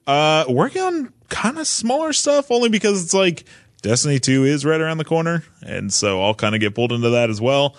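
A man's voice: fairly high pitch, big pitch swings, fairly quick, no room sound, clean studio sound. A man chatting casually as a podcast panelist, with a jokey, self-deprecating manner. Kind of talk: casual banter.

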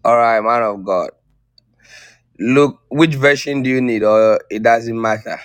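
A man reads scripture aloud in a steady, even way. His voice sits at a middle pitch and sounds dry and close, with no room around it. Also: measured pace, no echo. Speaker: scripture reader.

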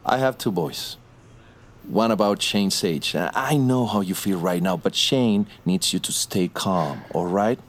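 A man playing a calm, deep-voiced detective. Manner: calm, measured, reassuring. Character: calm middle-aged male detective, patient and steady. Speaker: police detective.

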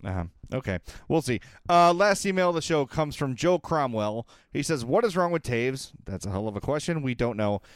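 Clear-voiced American man hosting a podcast. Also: medium pitch, lively intonation, normal speed, hardly any pauses, no room sound. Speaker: sports podcast host.

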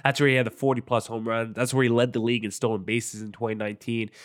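A young man with a congested, nasal voice, hosting a solo sports podcast in a casual, energetic rundown. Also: mid-range voice, fast. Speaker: podcast host.

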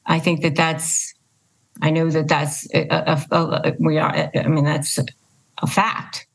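A woman's voice: low voice, level tone, slow, vocal fry, slightly rough, rough recording. A woman hosting a casual conversational interview, speaking emphatically and repeating her points for stress. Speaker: podcast host and interviewer.

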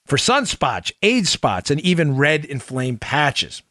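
A man's voice: a little high, sing-song, slow, bright, forceful tone, no room sound, studio quality. A male talk show host reading an ad in a casual, repetitive, emphatic infomercial style, selling with personal endorsement.

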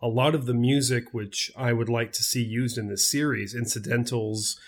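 A man with an average-pitched voice joins a casual podcast conversation. He speaks with enthusiasm and laughs easily. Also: steady tone, moderate pace.

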